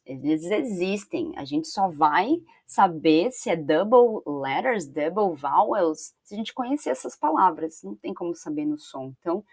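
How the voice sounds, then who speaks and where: A young woman with a Brazilian Portuguese accent teaching an English pronunciation lesson, saying example words slowly and repeating them. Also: fairly low pitch, breathy edge, no echo.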